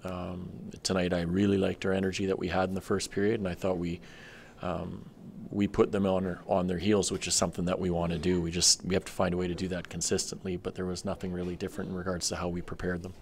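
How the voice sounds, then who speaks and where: A middle-aged man answering reporters' questions at a post-game press conference as a hockey head coach, measured and matter-of-fact with frequent ums, speaking into a table microphone. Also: low-pitched, level tone, gravelly, slight background noise. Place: press room in front of a sponsor backdrop. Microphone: table microphone on a stand.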